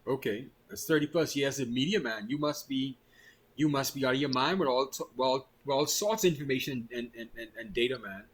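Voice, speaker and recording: A man's voice: medium pitch, fairly quick, breathy edge. A man hosting a casual online interview, chatty and friendly, often tossing in the word "man" while he asks his questions. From Bahamas. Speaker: host.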